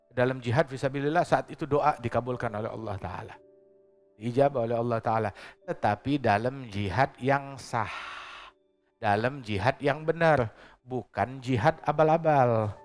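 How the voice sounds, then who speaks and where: A male preacher giving a religious lecture to a congregation in a mosque, speaking emphatically and asking rhetorical questions with joking asides. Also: medium pitch. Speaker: Islamic preacher.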